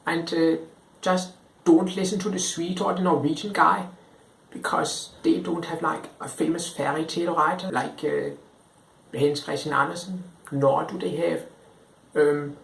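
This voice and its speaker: A man's voice: on the high side, steady tone, a little slow, vocal fry, fairly bright tone, slight background noise. A young man imitating a boastful Danish-accented man who speaks dismissively with hesitations. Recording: echoey room.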